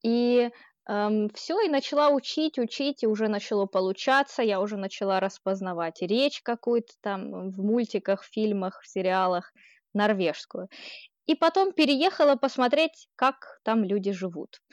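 A woman's voice: mid-range voice, moderate pace, dry recording, muffled recording. A woman from Ukraine with a Ukrainian accent, chatting as a guest and laughing often as she talks. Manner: laughs often while speaking, warm and chatty. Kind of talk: casual conversational interview.

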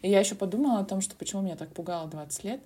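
A young woman near thirty co-hosting a podcast, agreeing warmly and telling reflective stories from her own life. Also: mid-range voice, racing, slightly rough. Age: 20s. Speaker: podcast co-host. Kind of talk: casual podcast chat.

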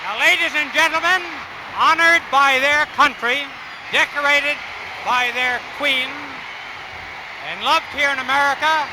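A man's voice: very high voice, takes it slowly, background noise. A man making a formal stage announcement in an old archive recording. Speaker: announcer introducing a band.

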